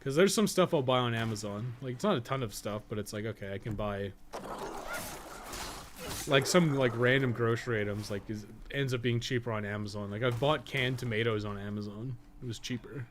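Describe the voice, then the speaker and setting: A Canadian-accented man in his thirties with a mid-pitched voice hosts a gaming stream. He rambles casually and colloquially, swearing freely as he goes. There is noticeable background noise in the recording. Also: a little fast. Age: 30s. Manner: profane, colloquial. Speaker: gaming livestream host. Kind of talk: casual rambling stream chat while playing.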